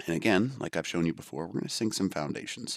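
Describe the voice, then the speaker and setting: Quiet but animated, a man speaks at a very deep, low pitch in a dry, close sound with no echo. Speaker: gaming youtuber. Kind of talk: tutorial. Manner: casual, animated.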